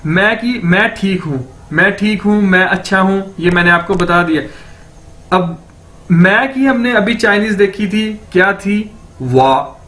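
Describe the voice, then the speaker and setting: A man with a Pakistani Urdu accent gives an online language lesson. His voice sits high and bright. He repeats each word slowly and keeps checking that his viewers are following. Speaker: language teacher.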